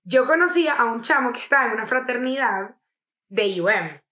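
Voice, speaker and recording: Young Venezuelan woman, co-host, animated and slangy storyteller, slightly high voice, roomy echo. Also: fairly quick. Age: young adult. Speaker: podcast co-host. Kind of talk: casual chat.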